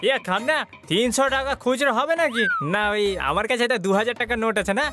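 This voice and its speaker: A fast-talking, stingy freeloader in a dubbed cartoon. His voice is high and quick, and his tone is breezy. Loud music plays behind him. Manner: fast, breezy, casually dodging payment. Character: stingy freeloading man who visits from abroad.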